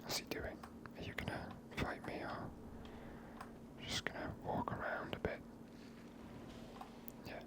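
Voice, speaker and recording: This is a whispered voice close to the microphone, giving ASMR game commentary. The host muses aloud in a hushed, unhurried manner, never rising to full voice. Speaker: gaming video host.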